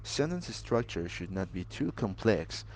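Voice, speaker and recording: A man's voice: low-pitched, sing-song, measured pace, darkish tone, slight background noise, rough recording. A man reading scripted academic passages aloud with careful, formal delivery. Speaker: exam practice reader.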